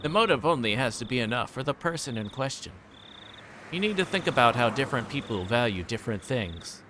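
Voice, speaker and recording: A man's voice: mid-range voice, very animated, a little fast, sharp tone, slight background noise. A man reading aloud the part of a folksy, self-deprecating older detective in a visual novel, musing to a junior colleague.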